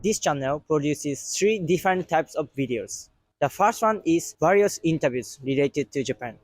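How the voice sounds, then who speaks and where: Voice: mid-range voice, expressive, normal speed, no echo. A channel host interviewing passersby, asking short direct questions and reading an intro. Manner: short prompting questions, plain delivery.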